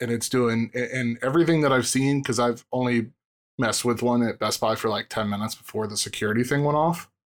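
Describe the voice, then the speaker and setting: Rattling along at a very fast pace, a man speaks at medium pitch with fairly even intonation. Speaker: tech journalist. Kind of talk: casual chat.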